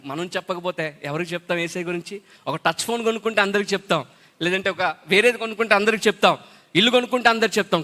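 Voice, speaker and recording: A man's voice: high-pitched, pushed and bright, in a large hall. A man giving a fervent testimony sermon to a youth rally and exhorting the crowd. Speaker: preacher.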